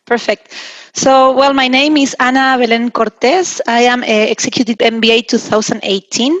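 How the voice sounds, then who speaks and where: A woman speaks plainly and directly as a webinar panelist, her voice pitched fairly high. The video-call audio sounds dull and completely dry. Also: steady tone, moderate pace, no echo. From Argentina. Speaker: alumna panelist. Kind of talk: self-introduction on a webinar panel.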